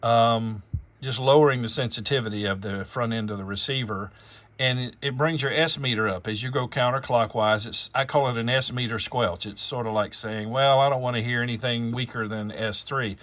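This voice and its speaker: Talking at a moderate pace in a medium, fairly bright voice, a man runs an amateur radio channel. His casual explanations wander in a chatty way, and he spells out the call signs and technical terms.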